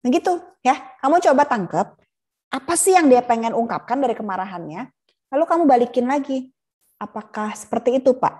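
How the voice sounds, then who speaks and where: A woman's voice: high voice, animated, brisk, darkish tone. A woman lecturing on palliative care in a casual, chatty way, often laughing and acting out patient and nurse lines. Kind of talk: casual online lecture with role-play examples.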